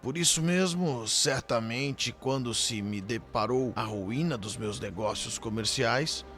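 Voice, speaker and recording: A man playing an impatient, pretentious gentleman over music. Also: mid-range voice, a little slow, close to an everyday voice. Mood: confessional, regretful. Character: impatient, pretentious dead Portuguese man, devout and self-pitying. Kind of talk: scripted audio drama acting. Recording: music behind.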